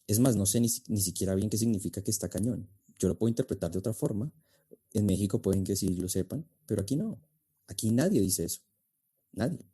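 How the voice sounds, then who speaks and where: Low, very mellow man. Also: fairly quick, breathy edge. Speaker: interview guest, speech and oratory coach. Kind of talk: conversational expert explanation.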